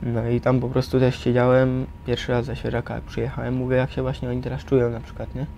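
A young man talks casually in a creaky, mellow voice. He recalls things in halting, slangy bursts, often tagging on a short question. Some steady noise sits behind him. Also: mid-range voice. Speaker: resident of a youth correctional centre. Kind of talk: casual personal recollection.

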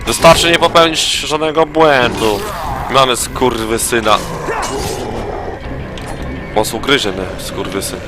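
A man's voice: mid-range voice, measured pace, pauses often, over music. A drunk man rambling and swearing as he comments on a zombie game he is playing. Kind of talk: profane let's play commentary.

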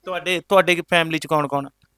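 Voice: mid-range voice, fairly even intonation, fast talker, pushed and bright, clear, resonant tone, no room sound. A reporter questioning a family in a field interview, prompting and consoling them. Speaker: news reporter.

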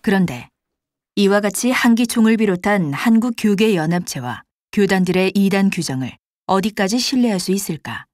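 A woman reading scripted documentary narration in a formal, measured manner. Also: mid-range voice, lively intonation, darkish tone, no room sound, studio quality, natural voice.

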